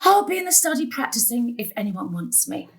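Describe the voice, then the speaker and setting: Long-suffering middle-aged daughter, acted by a woman: sarcastic, exasperated, high and animated, for audio drama. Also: a little fast, gravelly. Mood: firm, fed up. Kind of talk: stage-style audio drama acting.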